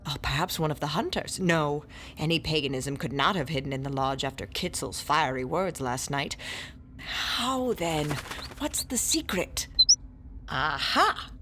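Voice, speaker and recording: A woman's voice: deep voice, animated, measured pace, a bit bright, a little hiss or hum. A woman playing a shrewd, scholarly older classicist who tells tales and scolds her companions in a theatrical manner. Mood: puzzling. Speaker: narrator and lead character. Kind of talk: audio drama acting.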